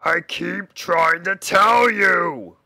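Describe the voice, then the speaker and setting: Casting: male reader as surly talking shark in a comic story, very sharp and gravelly, slow, blunt delivery. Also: high-pitched, no room sound, clean studio sound, voice pushed up, full character voice. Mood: indignant. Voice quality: gravelly, forceful. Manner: blunt, aggrieved. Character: grumpy, indignant male river shark, menacing.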